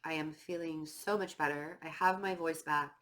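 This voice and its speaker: A stuffy, slightly nasal woman talks through a tarot reading in an easy, rambling way, with plenty of ums and likes. Her voice sits a little low but sounds bright and forward. She sounds restless and a bit nervous. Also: fairly even intonation, normal speed. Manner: chatty, filler-heavy, with many "um" and "like"; self-described nervous and fidgety. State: stuffy nose from a cold. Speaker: tarot reader. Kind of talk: casual spoken tarot reading to camera.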